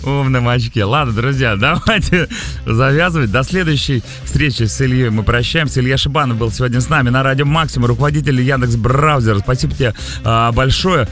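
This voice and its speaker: A man's voice: medium pitch, brisk, fairly bright tone, faint music behind. A man co-hosting a morning radio show in casual, bantering style. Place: radio studio. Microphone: studio radio microphone.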